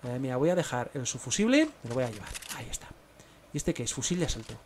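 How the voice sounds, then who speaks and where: A young man with a Spain Spanish accent, commentating his own gameplay live, excitable and talking to himself with sudden exclamations. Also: medium pitch, fast, slight background noise. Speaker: gaming streamer.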